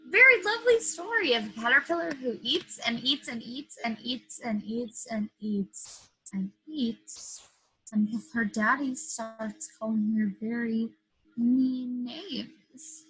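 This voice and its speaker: A high, piercingly bright children's storyteller lady in a comedy sketch. She speaks slowly in sing-song cheer, always close to unhinged, weepy melodrama. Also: soft background music, poor audio. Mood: breaking down. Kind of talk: comedy sketch staged reading.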